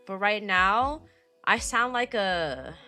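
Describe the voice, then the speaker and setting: A woman streamer chatting casually with her viewers, her voice raspy and weak from allergies, rambling in loose slang. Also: medium pitch, lively intonation, slow, bright, forceful tone, soft background music. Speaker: VTuber streamer. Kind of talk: casual livestream chat, replying to chat.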